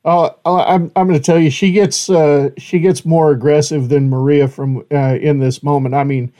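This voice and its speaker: Mellow-voiced male interviewer. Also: a little high, steady tone, moderate pace. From Idaho, United States. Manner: easygoing, lots of "uh" fillers. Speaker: interviewer, show host. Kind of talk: casual interview.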